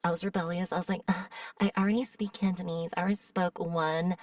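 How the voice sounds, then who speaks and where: A young American woman speaks as a guest in a relaxed interview, her voice low and her manner thoughtful and open. The sound is dry and close to the room, yet she sits slightly back from the microphone. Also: quick pace, no room sound. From United States. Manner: reflective and candid. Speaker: voice actress guest. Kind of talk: casual interview chat. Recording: voice a bit distant from the mic.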